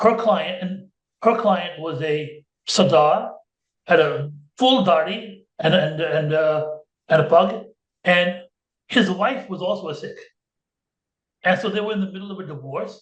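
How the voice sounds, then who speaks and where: A man speaks high and fairly slowly, leaving long, frequent pauses. His pitch varies in an ordinary way, and there is audible room echo. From immigrated to the US at age five, raised in US. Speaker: attorney. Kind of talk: Q&A answer at a summit panel. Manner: repeats words, stammering restarts.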